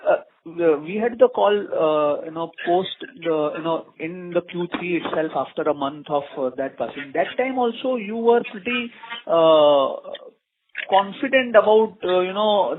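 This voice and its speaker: A high-pitched man calls in over the phone to put a probing, detailed question on a conference call. His voice comes through a feeble, tinny phone line with a faint hiss underneath. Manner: probing, builds a question from many figures. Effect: heard over a phone line, faint and feeble. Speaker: caller asking questions on an earnings call.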